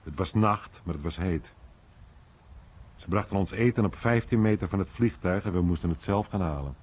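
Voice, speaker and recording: A man's voice: low voice, moderate pace, darkish tone, husky. A man doing a storytelling voice-over of a veteran's memories for a radio documentary. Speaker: voice-over translator. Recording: dull, muffled radio recording.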